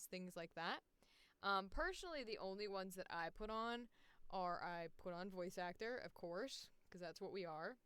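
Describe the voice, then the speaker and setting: A woman's voice: medium pitch, a bit bright, clean tone, dry recording. A woman who works as a voice actor hosts a livestream, talking casually and thinking aloud as she explains things step by step.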